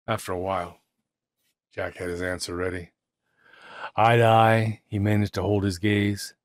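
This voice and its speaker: A man narrating an audiobook as dramatic literary storytelling, theatrical, with deliberate pauses and emphasis. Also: on the low side, little pitch movement, no room sound, clean studio sound.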